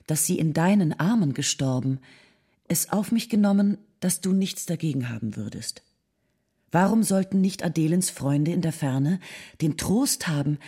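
A woman playing an earnest, tactful nineteenth-century lady, reading a letter in a measured, persuasive, formal way. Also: sits low, dark tone, husky, heavily acted. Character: Ottilie von Goethe, earnest, tactful 19th-century lady writing condolences.

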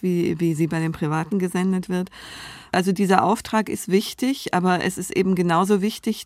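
A woman's voice: on the low side, darkish tone, no room sound. A woman speaking as a media journalist in a panel discussion, thinking aloud and weighing her answers as she goes.

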